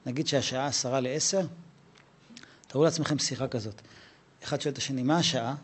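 A middle-aged man teaching Torah to a live audience, animated and conversational, acting out dialogues with a raised voice. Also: medium pitch, slightly rough.

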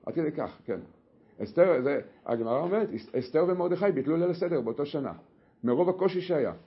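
A man teaching a Torah lesson, telling the story in an animated way with many restarts. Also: a little high, husky, highs cut off. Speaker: religious teacher.

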